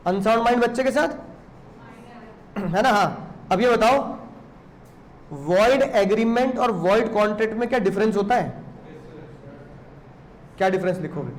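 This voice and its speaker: A man's voice: sits high, moderate pace, long pauses, slight background noise. A man teaching a law class, teasing and scolding students with lots of rhetorical questions. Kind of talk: classroom lecture.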